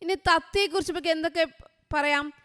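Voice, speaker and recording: A woman tutoring first graders, asking short questions again and again in an unhurried, clear way. Her voice is high and bright. A long reverb from the room trails behind her words. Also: fairly even intonation. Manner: quizzes with short repeated questions, slow and clear. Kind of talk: exam revision lesson for young children.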